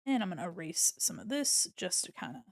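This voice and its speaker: A woman's voice: fairly low pitch, very animated, brisk, no echo, studio quality. A sniffly woman streamer giving a casual art critique, chatty and full of ums as she talks while drawing. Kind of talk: casual art tutorial walkthrough.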